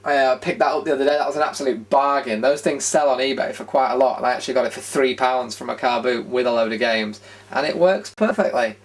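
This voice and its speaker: A man's voice: medium pitch, fast. British man giving a casual tour. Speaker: host of a retro gaming show. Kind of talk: casual room tour narration.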